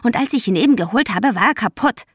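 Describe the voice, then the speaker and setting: A woman voicing an angry, self-righteous ten-year-old boy who speaks in a loud, accusing voice. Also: a little high, animated, quick pace, breathy edge, no echo, clean studio sound, pitched above the performer's own voice. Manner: indignant, raised voice.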